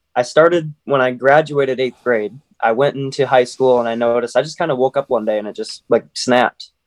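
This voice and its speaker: Here a man has an unremarkable speaking voice at a medium pitch and fairly even intonation. He moves at a fairly quick pace, and the sound is dry and close with no echo. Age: 20s. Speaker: weight loss guest. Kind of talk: casual interview.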